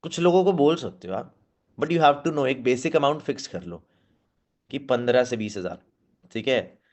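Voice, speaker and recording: A man of ordinary middle pitch coaches a room of team members, speaking straight to them. He keeps checking whether they follow and slips English phrases into his talk. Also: lively intonation, a little mellow. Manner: coaching, checks in often with a quick question, mixes in English phrases. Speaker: network marketing team trainer. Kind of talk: live training talk to a seated team. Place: meeting room with team present.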